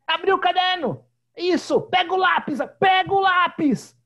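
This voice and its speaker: A man imitating a bossy little girl who plays schoolteacher and shouts orders, with a Brazilian Portuguese accent. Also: very high voice, unhurried, voice pushed up. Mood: bossy shouting. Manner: shouting orders, repeating herself. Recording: dull lo-fi video call audio.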